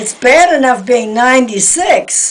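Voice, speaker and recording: There is noticeable background noise as a woman talks with an American accent. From New York, Far Rockaway. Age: 90s. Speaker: interviewee, elderly relative. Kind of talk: family interview.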